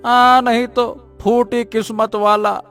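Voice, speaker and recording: A man's voice: extremely high pitch, flat delivery, slow, fairly bright tone, soft background music, full character voice. A man voicing a sneering village gossip. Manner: sneering, laughing. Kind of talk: Hindi cartoon voice acting.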